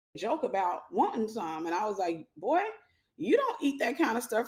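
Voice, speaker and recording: A woman speaks in a Mississippi accent. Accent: Southern US (Mississippi). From Mississippi, US South. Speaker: live-stream guest. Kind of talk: casual chat.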